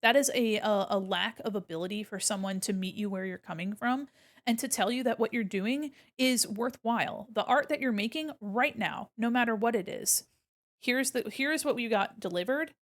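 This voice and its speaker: A woman hosting a casual art livestream, explaining as she works and speaking in a gentle, encouraging way. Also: fairly high pitch, normal speed. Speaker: art streamer and critique host. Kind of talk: casual livestream commentary while drawing, reading chat aloud.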